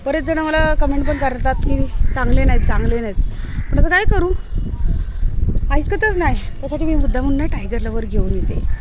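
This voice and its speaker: A high-pitched woman filming a casual home vlog out on a rooftop terrace. She chats freely to her viewers and switches into a sing-song, coaxing tone for her pets. Faint hiss sits behind her voice. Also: expressive, normal speed. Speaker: vlogger.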